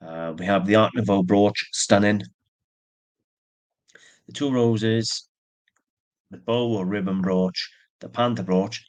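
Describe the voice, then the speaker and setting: Stuffy with allergies and yawning, a man describes the antique silver jewelry he sells in a casual show-and-tell. He speaks slowly in a fairly low voice, pausing often, with chatty plain asides.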